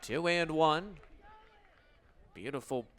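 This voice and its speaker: A man's voice: on the high side, slow, a bit bright, a faint crowd, slight background noise. A young American man in his twenties calling baseball play-by-play for radio in clipped, descriptive phrases. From United States. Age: 20s. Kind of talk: radio sports commentary.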